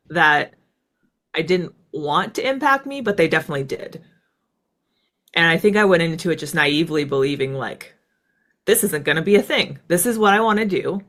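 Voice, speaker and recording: Her voice sits low with a bit of brightness. She's an American interview guest who once flew fighter jets for the military, and she tells her story in a relaxed, reflective manner full of "like" and "right."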